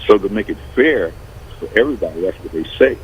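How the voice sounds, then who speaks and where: Low-voiced man asking measured questions. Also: lively intonation, dull audio, a little hiss or hum. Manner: poses questions in measured, deliberate phrases. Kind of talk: radio talk show discussion.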